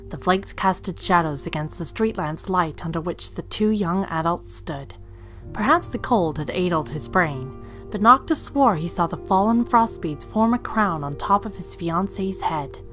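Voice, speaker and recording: A woman reading scripted third-person story narration as the narrator of an audio drama. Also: lowish voice. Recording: faint music behind. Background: faint music.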